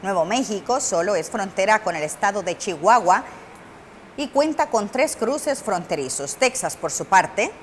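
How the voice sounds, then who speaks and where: A woman's voice: medium pitch, expressive, normal speed, slight background noise. A woman reading scripted informational narration for a TV program in a formal, explanatory way.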